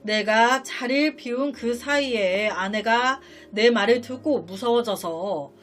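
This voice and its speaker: A woman's voice: on the high side, slow pace, fairly bright tone, faint music behind. A woman narrating a dramatic true-life story, talking straight to her viewers and sounding indignant at what she recounts.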